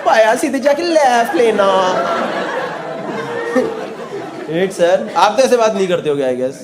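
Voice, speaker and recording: A man's voice: sits high, expressive, moderate pace. A male stand-up comedian doing teasing crowd work, switching between Hindi and English. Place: live comedy venue with laughing audience. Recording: loud crowd and noise from a live show.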